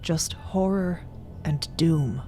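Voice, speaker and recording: A woman narrates a fantasy audio drama in a grave, deliberate manner. Her voice is a bit low and very slow, with music clearly behind it. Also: dark tone.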